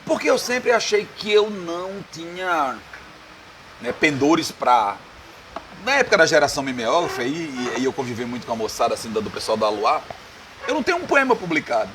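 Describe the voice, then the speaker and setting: A man's voice: a little high, very animated, fairly quick, fairly bright tone, slight background noise. A man, a radio producer, telling stories in a casual bar-table interview, laughing often and tagging lines with a questioning "right?". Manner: chatty storyteller, laughs often, repeats "né?". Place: bar, indoors.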